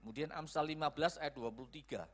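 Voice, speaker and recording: A man's voice: fairly high pitch, fast talker, fairly bright tone. A man preaching a sermon as pastor, acting out quoted lines in changed voices. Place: church hall.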